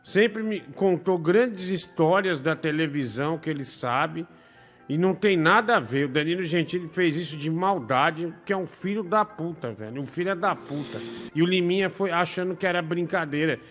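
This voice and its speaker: Man, live-stream host, crude jokes, slightly high voice, music behind. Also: moderate pace, a bit bright. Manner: profane, jokey, reads messages aloud.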